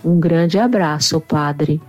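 A woman's voice: sits low, darkish tone, dull audio. A woman from São Paulo with a Brazilian accent, earnestly reading out a recorded testimony. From Cubatão, São Paulo, Brazil. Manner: slow, earnest, reading aloud. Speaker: listener giving a testimony.

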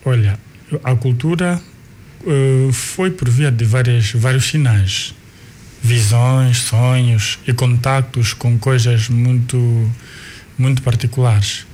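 Recalling his life, an artist and cultural manager in his forties appears as a guest, speaking Angolan-accented Portuguese though Kikongo is his native tongue. His mid-pitched voice is darkish and fairly even, and he moves slowly, stopping, starting over, and repeating words while he finds them. Faint background hiss is audible.

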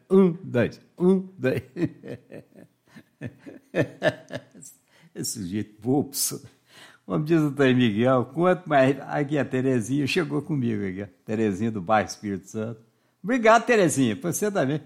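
A man's voice: on the high side, creaky. A man from hosting a playful morning radio show, joking and teasing callers and friends. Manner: jokey, teasing, laughing a lot. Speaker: radio host.

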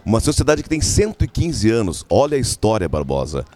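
A man with a Rio Grande do Sul accent reporting live for a radio show, chatty and lively. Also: lowish voice, fairly quick. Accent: Rio Grande do Sul Portuguese. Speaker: field reporter.

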